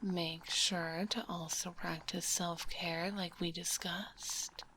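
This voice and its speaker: A woman voicing a gentle, caring witch healer in an ASMR roleplay, whispering softly and soothingly close to a binaural microphone. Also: fairly low pitch, little pitch movement, slight background noise, exaggerated voice. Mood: tender, reassuring. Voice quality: soft, breathy whisper. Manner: soothing, unhurried, nurturing. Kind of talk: ASMR roleplay, addressing the listener.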